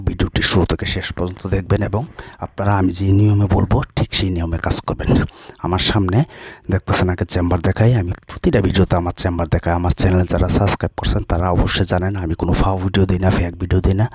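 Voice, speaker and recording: A man's voice: deep voice, fairly even intonation, fast talker, darkish tone, slightly rough, no room sound. A man, a folk healer in his chamber who boasts, repeats his challenges, and chants incantations in a rhythmic drone. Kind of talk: instructional video with chanted incantations. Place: his healing chamber, indoors.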